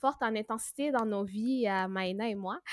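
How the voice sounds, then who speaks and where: A woman's fairly high voice, lively in intonation and fairly slow, in a dry, close sound with no echo. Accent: strong Montreal. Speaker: podcast co-host. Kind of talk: casual podcast chat. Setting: video call.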